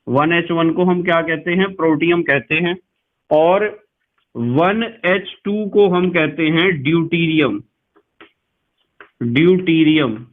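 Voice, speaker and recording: Man, chemistry teacher, patient classroom lecture, repeats and quizzes, slightly high voice, tinny lo-fi recording. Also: takes it slowly. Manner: patient, repeats key points, quizzes listeners. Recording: tinny lo-fi sound.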